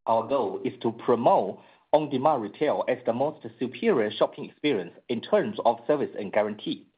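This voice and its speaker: A phone-like, narrowband line carries a slightly husky male voice. He is a company executive delivering prepared earnings remarks, formal and measured. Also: medium pitch, animated. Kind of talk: prepared corporate presentation on earnings call. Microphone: conference call line.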